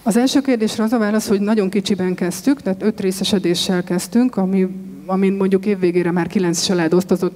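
Woman farmer, 30s, panel guest, mellow tone, hesitant, echoey hall. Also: on the low side. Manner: thoughtful, steady, many hesitations. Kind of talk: panel discussion answers. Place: large expo stage with sofas. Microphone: handheld mic. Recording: long hall reverb.

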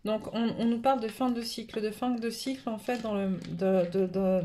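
This tarot reader has a cold and talks through a relaxed spiritual card reading at home, her camera positioned over the cards, meandering with lots of fillers and restarts. Her voice is fairly high and mellow, with fairly even intonation at a normal speed.

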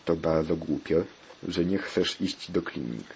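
A man's voice: sits low, expressive, a little slow, a little mellow. A man voicing a scolding, insistent male pirate friend, on a dull lo-fi recording with faint hiss.

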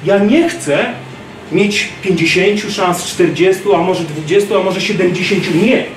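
A man in his thirties giving an animated self-defense lecture to a class, acting out street scenes, filmed by a distant camera in a large gym. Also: high-pitched, measured pace, slight background noise. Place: large gym hall, indoors. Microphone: far camera. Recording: roomy gym echo from far off.

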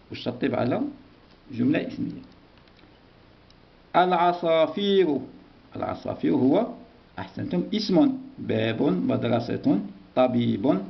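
Male teacher, heavy vocal fry, repetitive and encouraging, muffled lo-fi sound. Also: medium pitch. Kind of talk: grammar lesson for young pupils.

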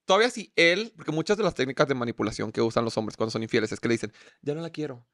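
A young man hosting a casual podcast, joking in slangy, rapid interjections. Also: medium pitch, lively intonation, a bit bright, dry recording, clean studio sound. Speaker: podcast host.

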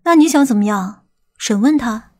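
A woman's voice: a little high, lively intonation, moderate pace, a little mellow. A woman playing a stern, impatient police detective in an audiobook drama. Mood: argumentative.

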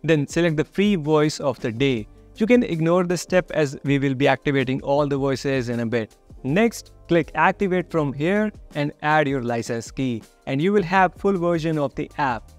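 This tech reviewer and channel host is a young man whose pitch sits slightly raised; he addresses the camera directly in a dimly lit home studio. His software review is friendly and upbeat with plainly explained steps, over faint, soft background music.

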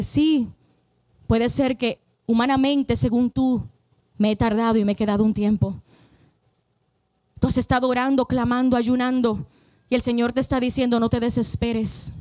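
A woman's voice: fairly high pitch, mellow, no echo. A woman preaching a fervent sermon to a church congregation, using emphatic repetition and calling out to the people.

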